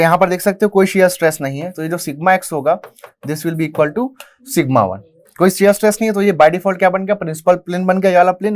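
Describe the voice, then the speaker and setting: A man with an Indian accent teaches an engineering lecture in a fairly high-pitched voice. He drills the key terms by repeating them and keeps throwing questions at the class, answering each one himself a moment later. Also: darkish tone. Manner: mixes Hindi with English terms, repeats key phrases, asks and answers his own questions. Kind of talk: classroom lecture explaining at a whiteboard.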